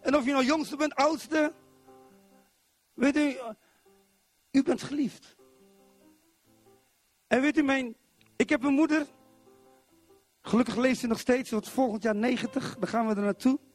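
This middle-aged preacher from Zwolle, Netherlands, speaks with a very high voice. He gives a lively church sermon and keeps putting questions to the people listening.

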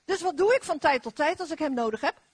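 A middle-aged woman preaching a lively charismatic sermon, exclamatory and repeating her phrases. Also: sits high, fast, no echo. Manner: animated, exclamatory, repetitive phrasing.

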